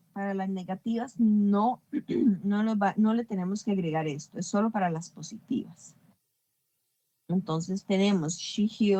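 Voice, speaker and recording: A woman's voice: medium pitch, dark tone, no room sound. A woman teaching an English grammar class online, explaining patiently and often checking understanding.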